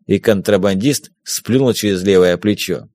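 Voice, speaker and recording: A man narrating an audiobook in an expressive storytelling manner. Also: fairly low pitch, moderate pace, dry recording. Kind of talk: scripted narration.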